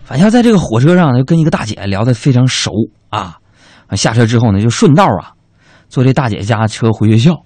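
Playful radio host. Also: male voice, on the low side, darkish tone, no echo. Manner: playful, self-mocking storytelling. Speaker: radio talk show host. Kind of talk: comic radio chat reading listener messages.

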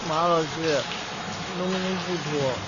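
An actor playing a timid, obedient disabled teenage boy in a radio drama, speaking shyly and haltingly. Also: a little high, fairly even intonation, natural voice. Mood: timid, reluctant. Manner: hesitant, halting, shy. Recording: dull, very noisy drama recording.

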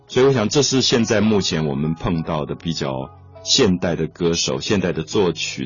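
A man giving a patient lecture on classical poetry, repeating key points and stretching out his particles. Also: low-pitched. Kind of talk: explanatory lecture. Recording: dull lo-fi recording with faint music.

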